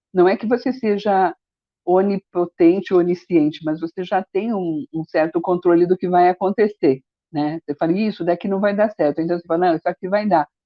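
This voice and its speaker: Delivered at a fairly quick pace, an ordinary speaking voice shows ordinary pitch variation. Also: woman. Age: 60s. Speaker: journalist and TV presenter. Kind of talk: interview. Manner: conversational, frequent fillers.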